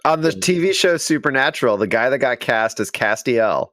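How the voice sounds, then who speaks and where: A chatty man in a mid-range voice co-hosts a casual talk show, quick to crack a joke. His voice is recorded dry and close. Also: mid-range voice, expressive, fairly bright tone, no room sound. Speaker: podcast co-host. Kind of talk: casual chat.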